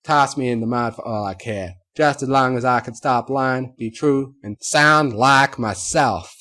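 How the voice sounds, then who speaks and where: A man's voice: medium pitch, measured pace, bright, forceful tone, voice pushed up. A man voicing a plainspoken farm mare. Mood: defiant. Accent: Southern US. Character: proud honest farm mare, southern twang.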